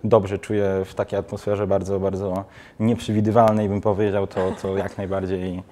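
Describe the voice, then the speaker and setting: Young man, low-pitched, halting, fillers, studio guest. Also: little pitch movement, mellow. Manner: hesitant, many restarts and fillers. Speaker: guest, student trip organizer. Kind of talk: casual studio interview.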